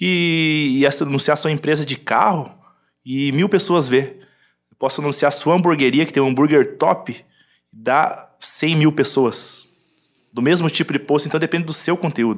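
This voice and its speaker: In an unremarkable speaking voice, a man talks at a fairly slow pace and fairly high pitch. His pitch varies normally, and the recording is very clean with a silent background. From interior of São Paulo state, Brazil. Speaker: social media page owner and entrepreneur. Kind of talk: casual interview.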